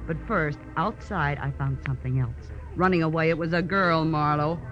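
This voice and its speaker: An actress playing a tough, guarded femme fatale in an old radio detective drama. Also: female voice, low-pitched, moderate pace, fairly bright tone, faint music behind. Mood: coolly challenging. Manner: guarded, hard-edged, curt. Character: tough, cagey blonde femme fatale, female double-crosser. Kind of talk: 1940s-50s radio detective drama acting. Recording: muffled vintage radio recording.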